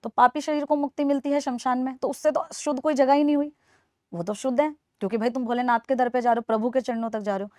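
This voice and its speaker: A young woman from Delhi speaks earnestly as a podcast guest, pressing her points and coming back to them again and again. Her voice sits fairly high, and the recording is close and dry. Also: fairly even intonation, quick pace, warm tone, dry recording. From Delhi, India. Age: 20s. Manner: earnest, persuasive, repeats points for emphasis. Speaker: interview guest. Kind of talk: earnest podcast interview answers.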